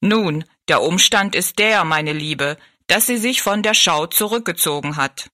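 A woman voicing a tall, thin, dignified male giant from a fair show, who talks slowly in a courtly, regretful way. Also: lowish voice, no room sound, studio quality. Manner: slow, courtly and gently regretful.

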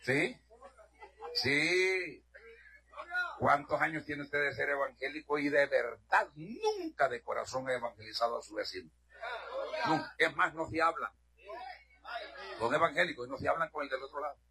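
A fiery middle-aged man from Honduras preaches to a church congregation with a high, bright voice. He swings from ringing shouts down to low, confiding asides. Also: animated, moderate pace, long pauses, low-quality recording. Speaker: pastor. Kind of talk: sermon.

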